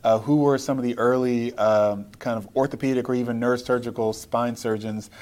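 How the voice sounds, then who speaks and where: A man's voice: mid-range voice, steady tone, a little fast, darkish tone. A man hosting a live podcast interview at a conference, eager and full of filler words as he asks his questions. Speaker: podcast host.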